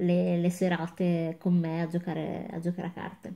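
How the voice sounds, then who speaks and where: In a dark, mellow tone, a woman delivers her words at a moderate pace. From Italy, Ferrara (Emilia-Romagna); Emilia-Romagna, Italy. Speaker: YouTuber. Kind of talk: casual vlog chat. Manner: spontaneous, hesitant. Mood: relaxed, chatty. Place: home room. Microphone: webcam.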